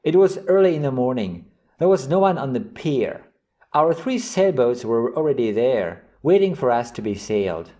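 A man hosting an English vocabulary lesson, reading example sentences and definitions slowly and clearly. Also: medium pitch, big pitch swings, mellow. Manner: slow, carefully enunciated reading of example sentences. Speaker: English teacher.

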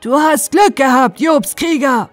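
A woman's voice: high voice, unhurried, soft background music, voice pushed up. A woman voicing a grumpy, greedy old male carpenter who talks in broken dialect grammar. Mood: scolding.

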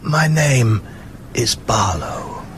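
An actor playing a sinister old male vampire in a radio horror drama, breathy, deliberate and commanding. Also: medium pitch, expressive, a little hiss or hum. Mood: sinister, insinuating. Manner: slow, deliberate, menacing, drawn-out phrases.

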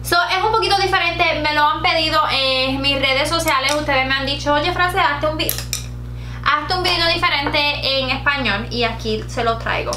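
This beauty vlogger, a late-twenties woman from Puerto Rico, chats casually and giggly to a desk-distance camera in a bright home room with shelves, her Puerto Rican Spanish sprinkled with English words. The voice is high-pitched at normal speed, in an echoey room with a noisy background.

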